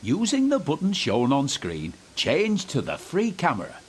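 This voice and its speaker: A man's voice: fairly high pitch, wildly swooping pitch, normal speed, slight background noise. A man playing an encouraging, instructive narrator in a scripted children's train game tutorial. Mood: instructive, calm. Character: encouraging male tutorial narrator guiding young train drivers.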